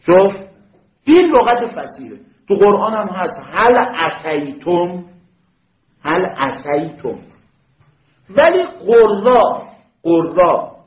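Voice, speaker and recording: A man teaching grammar in a lively classroom lecture, often checking understanding with quick rhetorical questions. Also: sits high. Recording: echoey, dull lo-fi room recording.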